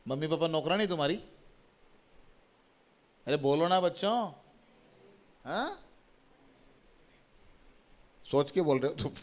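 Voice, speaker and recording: A middle-aged man preaching a sermon as a pastor, repeating phrases and calling out hallelujah to the congregation. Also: mid-range voice. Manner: repetitive, exhorting, calls out hallelujah.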